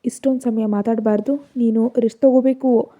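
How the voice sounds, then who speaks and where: A woman narrator voicing a calm young doctor who speaks in a gentle, soothing way. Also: fairly high pitch, brisk, lightly acted.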